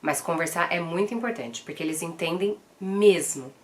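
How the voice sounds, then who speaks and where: Brief: Brazilian woman, 30s, mother-vlogger, lowish voice, direct and earnest. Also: moderate pace. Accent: Brazilian Portuguese. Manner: earnest and direct, firm when quoting commands. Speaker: mother sharing parenting advice. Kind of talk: casual advice vlog.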